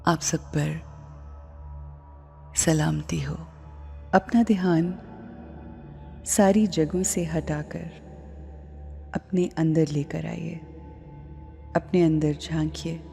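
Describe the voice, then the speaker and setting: A woman guides a meditation in a low, mellow voice. She speaks extremely slowly and leaves long pauses between short phrases. Her voice carries a long reverb, with music playing underneath. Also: fairly even intonation, vocal fry.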